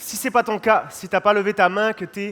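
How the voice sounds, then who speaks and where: Here a man speaks at a moderate pace. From France. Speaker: pastor. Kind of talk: sermon. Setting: church. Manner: hesitant, frequent 'euh' fillers.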